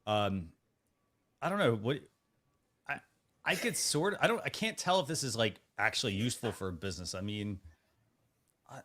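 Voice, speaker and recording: A man hosting a casual panel discussion, thinking aloud in a halting way and often rephrasing himself. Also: fairly low pitch, expressive, fairly bright tone. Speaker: talk show host.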